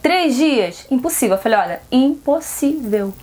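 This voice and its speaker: A woman's voice: high-pitched, animated, a little fast. A seamstress with a Brazilian Portuguese accent talks frankly to her viewers in a casual advice vlog, often asking rhetorical questions. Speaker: seamstress vlogger.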